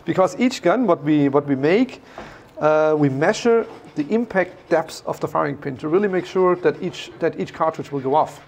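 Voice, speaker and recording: A man's voice: a little high, lively intonation, normal speed, hardly any pauses, darkish tone, a little hiss or hum. A man in his forties with a German accent, guiding visitors through a workshop and explaining the steps with many fillers and restarts. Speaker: factory guide. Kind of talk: guided factory tour explanation. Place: large workshop hall indoors.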